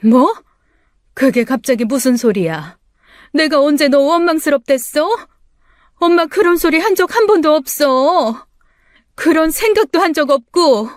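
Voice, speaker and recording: A woman's voice: high voice, animated, a little slow, no echo, clean studio sound, pitched above the performer's own voice. A woman voicing a desperate middle-aged mother who pleads and scolds tearfully. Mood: insistent.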